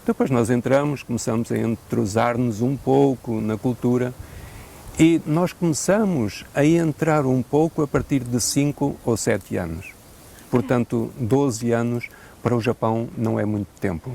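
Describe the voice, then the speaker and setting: Portuguese priest with a gravelly voice. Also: male voice, medium pitch, dark tone. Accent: European Portuguese. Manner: measured, thoughtful, with hesitant fillers and a dry joke now and then. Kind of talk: unscripted interview answers.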